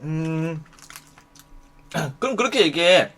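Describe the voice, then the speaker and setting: A bright, high-pitched man talks casually on a live stream and gives blunt advice. He swears freely and keeps acting out the lines he suggests, so his pitch jumps around all the time. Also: expressive, slow pace, slight background noise.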